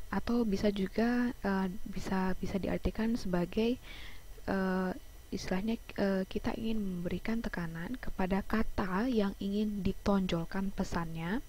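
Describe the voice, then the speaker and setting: A woman teacher with an Indonesian accent giving an online class over a video call, explaining slowly with many fillers and restarts. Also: mid-range voice, darkish tone, poor audio. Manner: hesitant explaining, frequent fillers, self-corrections.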